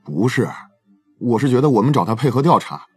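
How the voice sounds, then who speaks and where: An actor playing a matter-of-fact police officer in an audio drama. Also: male voice, mid-range voice, big pitch swings, a little fast, a little mellow, breathy edge, no room sound. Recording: faint music under the voice.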